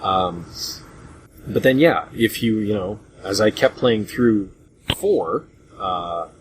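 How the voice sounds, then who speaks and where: Low-voiced man hosting over background noise. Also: lively intonation, slow. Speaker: podcast host. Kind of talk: casual group discussion about retro games. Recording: noisy low-grade voice chat recording.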